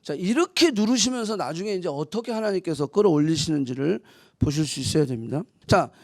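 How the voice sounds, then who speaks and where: A woman pastor giving a conversational sermon, moving between soft asides and loud emphatic bursts, and acting out teasing mock quotes. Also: deep voice, lively intonation, a little fast, no room sound, studio quality.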